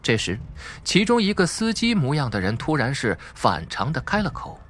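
A man's voice: medium pitch, huge pitch swings, normal speed, fairly bright tone. A man narrating suspense fiction from a script in a dramatic audiobook style.

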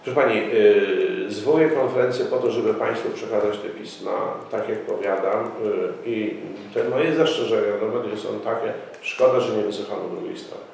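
A middle-aged man speaks at a press conference in a formal, insistent way, often pausing with fillers. He sits in an office room, picked up by a camera mic set well back. The room is strongly echoey, with faint ambient noise behind him. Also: lowish voice, vocal fry, a little mellow, recorded from a distance. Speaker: local party representative. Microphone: far camera mic.

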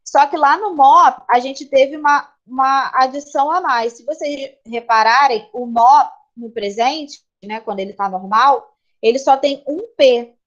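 Speaking a little slowly in a fairly bright, fairly high voice, a Brazilian-accented English teacher walks her class through grammar and stops frequently to make sure students keep up. The sound is slightly dull and lo-fi, like an online class recorded on a computer mic.

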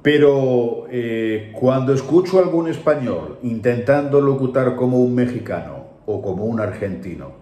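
Man, Spain Spanish accent, voice-over artist, indignant, emphatic, mid pitch, echoey room. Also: expressive, moderate pace, hardly any pauses, mellow. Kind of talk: opinionated video commentary.

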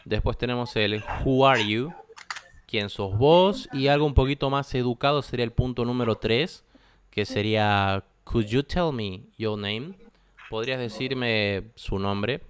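Argentine teacher explaining patiently. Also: male voice, on the low side, fairly even intonation, normal speed. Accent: Argentine Spanish. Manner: explains patiently, checks in with students. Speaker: English teacher. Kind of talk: classroom lesson. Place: classroom.

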